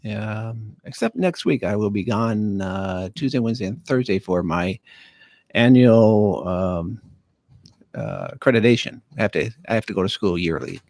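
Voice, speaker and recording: A man answering questions on a radio show as a guest, speaking haltingly with many fillers and restarts. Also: lowish voice, a little mellow, no room sound. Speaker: county veterans affairs officer, studio guest. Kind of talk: casual radio interview. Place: radio studio. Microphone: studio microphone.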